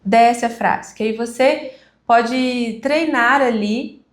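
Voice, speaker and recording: A woman instructor giving a live online class on speaking, conversational with deliberate pauses. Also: a little high, roomy sound. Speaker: communication instructor.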